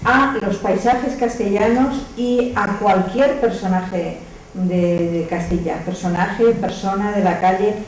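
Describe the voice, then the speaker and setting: A woman's voice: mid-range voice, slow pace, a little mellow. Female audience member with a Spanish accent, thoughtful and explanatory, heard from afar in a reverberant room. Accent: Spanish (Spain). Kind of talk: spontaneous discussion at a literary talk. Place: echoey indoor hall at a public talk. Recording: distant, very echoey room, faint noise.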